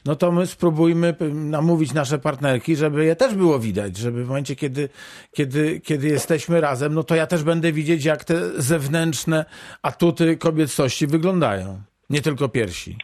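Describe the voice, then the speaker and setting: A male radio host with a slightly raised pitch, chatting late at night. He rambles playfully and often restarts his sentences. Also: moderate pace, darkish tone. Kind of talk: casual radio chat.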